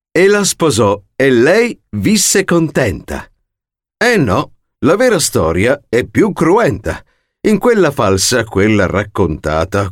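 A man's voice: mid-range voice, no echo, studio quality. A man reading a rhymed fairy tale aloud in a playful, theatrical way. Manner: playful, theatrical rhyming delivery. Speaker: storyteller.

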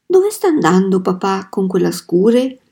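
A distraught eight-year-old farm girl from a storybook, begging tearfully and refusing to back down, as a woman reader gives her voice. Her tone is soft and mellow rather than sharp, and her pleas come out slow and insistent. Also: medium pitch, big pitch swings, gravelly, breathy edge, heavily acted. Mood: puzzled.

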